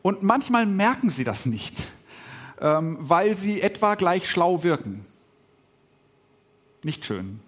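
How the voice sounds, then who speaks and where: Reflective middle-aged preacher, lively pitch. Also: male voice. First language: Swiss German. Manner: reflective, with pauses and filler sounds. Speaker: pastor. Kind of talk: podcast sermon.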